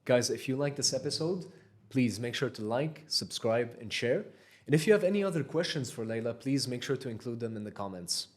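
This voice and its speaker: A man's voice: medium pitch, animated, a little fast, a little mellow. A man with a neutral Arab accent, hosting a podcast in a casual interview style. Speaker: podcast host, voiceover artist.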